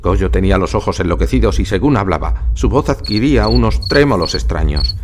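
A man narrating a story in an expressive, dramatic reading style. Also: deep voice, brisk, noisy background.

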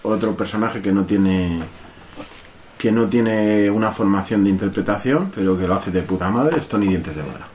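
A man's voice: fairly low pitch, normal speed, a little mellow, a little hiss or hum. A man hosting a casual film podcast, insistent and swearing freely. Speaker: podcast host discussing a film.

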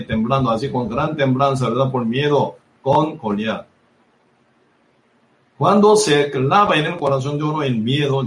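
A man preaching a sermon in language Bible teaching style, halting and repetitive, tagging nearly every phrase with a soft "¿verdad?". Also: medium pitch. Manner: constant tag question "¿verdad?" dropping soft after each phrase. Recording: echoey room with faint ambient noise.

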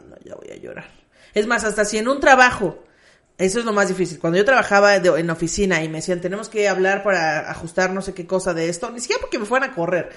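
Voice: mid-range voice, fairly bright tone. Mexican podcaster telling stories casually. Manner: storytelling, quotes others, trails off and restarts. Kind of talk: casual chat.

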